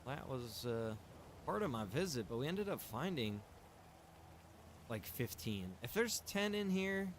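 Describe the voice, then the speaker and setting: A man's voice: mid-range voice, very animated, unhurried, slight background noise. Easygoing man rambling through game commentary. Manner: casual, rambling, thinks aloud with chuckles. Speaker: streamer and game server developer. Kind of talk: live-stream gameplay commentary.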